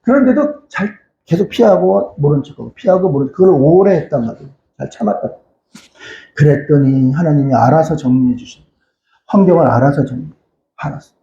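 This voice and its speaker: High, lively preaching man, echoey hall. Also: a little hiss or hum. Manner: preaches in questions and answers, repeating phrases; cries out hallelujah again and again. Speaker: pastor. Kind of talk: sermon. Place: church sanctuary. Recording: echoey, dull church hall recording.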